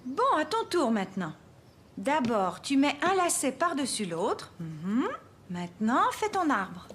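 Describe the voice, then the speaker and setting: A woman's voice: sits high, sing-song, measured pace, slight background noise, heavily acted. A woman playing a kind, patient mother in a children's cartoon dub, coaxing and reassuring as she speaks. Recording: loud music behind the voice.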